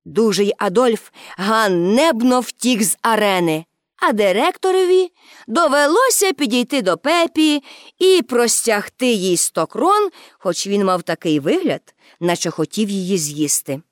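A woman narrating a storybook in an expressive reading voice. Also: mid-range voice, unhurried, dry recording, clean studio sound.

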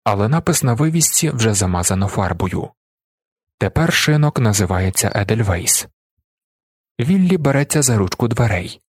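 A man reading a literary novel aloud as an audiobook narrator, with expressive delivery. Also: mid-range voice, moderate pace, husky, dry recording, clean studio sound.

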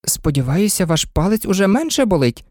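A woman's voice: fairly low pitch, sing-song, fairly quick, a little mellow, dry recording, clean studio sound, pitched above the performer's own voice. A woman voicing a polite, curious seven-year-old girl. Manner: polite, earnest.

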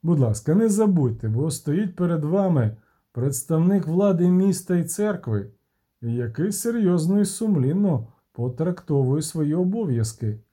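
A man's voice: a little high, lively intonation, moderate pace, warm tone, breathy edge, pitched above the performer's own voice. A man voicing a pompous, self-important male city official. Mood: officious.

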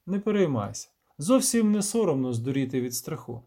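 A man voicing a grim, weary male monster hunter who speaks low and quietly, as if through clenched teeth. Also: big pitch swings, brisk. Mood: calm.

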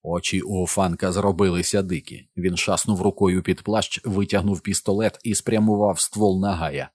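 Deep-voiced man narrating an audiobook. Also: fairly even intonation, normal speed, darkish tone, no echo, clean studio sound.

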